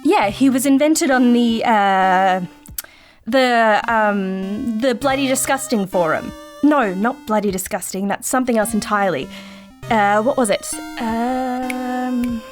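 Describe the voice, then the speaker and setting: An actress playing an eager, teasing British podcast co-host in an audio drama, talking informally with a dry wit. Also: female voice, fairly high pitch, animated, unhurried, soft background music. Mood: reasoning. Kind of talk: naturalistic audio drama dialogue, casual banter.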